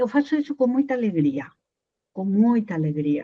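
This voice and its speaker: Her intonation rises and falls in a lively way. The woman's tone is dark and mellow. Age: 70s. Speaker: psychologist and teacher. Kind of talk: interview.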